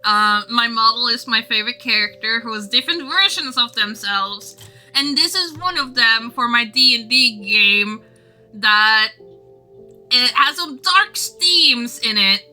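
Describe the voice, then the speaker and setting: A woman's voice: fairly high pitch, animated, measured pace, pushed and bright, faint music behind. A woman livestreamer chatting casually with her viewers in a rambling, exclamatory way. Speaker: livestreamer and game developer.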